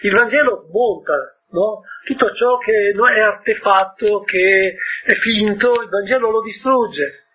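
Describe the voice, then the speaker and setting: Husky preacher guy, a bit high voice, keeps asking no?, dull lo-fi audio. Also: measured pace, slight background noise. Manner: rhetorical, asks "no?" often. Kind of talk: sermon-like commentary on a book.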